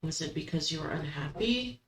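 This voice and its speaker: A woman hosting a paranormal session, asking questions aloud and commenting casually, with halting pauses between them. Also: low-pitched, expressive. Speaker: host of a spirit box session. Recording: roomy echo, background noise.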